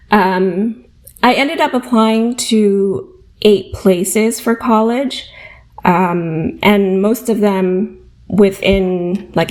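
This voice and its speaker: A woman, whose was Vietnamese, recounting her story as a podcast guest in a reflective, measured way. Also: mid-range voice, a little mellow. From United States (New Jersey). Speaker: guest educator. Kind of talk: podcast interview.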